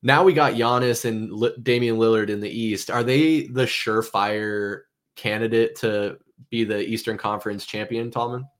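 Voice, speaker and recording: Low-voiced guy rambling about sports, laid back, drops a swear here and there. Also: fairly even intonation, normal speed. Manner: loose, rambling, swears casually. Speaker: podcast co-host. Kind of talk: casual sports chat.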